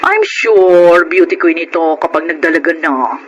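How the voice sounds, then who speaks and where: A man acting a flamboyant, campy gay best friend in a Filipino radio drama, with animated, effusive banter and a Filipino accent. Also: fairly high pitch, a little slow, dull audio, slight background noise. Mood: playful, gushing. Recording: music bed under the voice.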